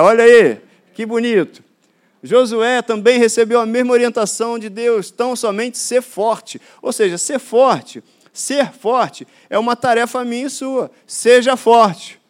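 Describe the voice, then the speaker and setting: A man from Rio de Janeiro, preaching a sermon to his congregation in a rhythmic, repetitive way that swings from quiet to loud declarations. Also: very high-pitched, moderate pace. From Rio de Janeiro, Brazil. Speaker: pastor. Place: church before a congregation.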